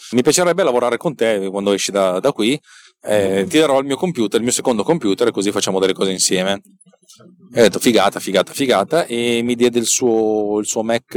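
A man in his forties with a somewhat low voice shares a personal story. His delivery is informal and unscripted, with hesitant repetitions as he gathers his thoughts. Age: 40s.

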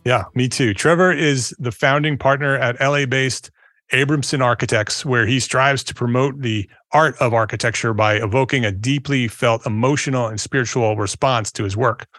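A man's voice: mid-range voice, steady tone, moderate pace, fairly bright tone, dry recording, studio quality. A man hosting an architecture podcast, introducing his guest and asking questions in a friendly, conversational way. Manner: upbeat promo read, then conversational. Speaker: podcast host.

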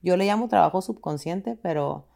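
Woman co-host, calm and earnest, low mellow voice. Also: moderate pace, creaky. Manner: calm, earnest advice to parents. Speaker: podcast co-host. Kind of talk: casual chat.

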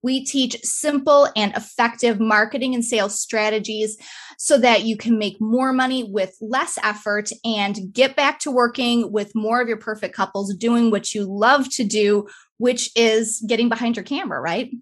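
A woman with a nasal American Midwestern accent, talking as a friendly, chatty interview guest. Her voice sits a little high. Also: normal speed. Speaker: guest, marketing coach. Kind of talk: casual interview chat.

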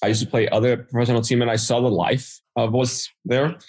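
A man's voice: mid-range voice, little pitch movement, a little fast, darkish tone. A man from the Dominican Republic, a native Spanish speaker with a Dominican accent, casually telling his story as a podcast guest. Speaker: podcast guest, marketing entrepreneur.

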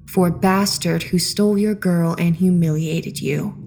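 Man playing a mysterious seductive woman, slow soft coaxing voice, raised pitch. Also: steady tone, gravelly, soft background music.

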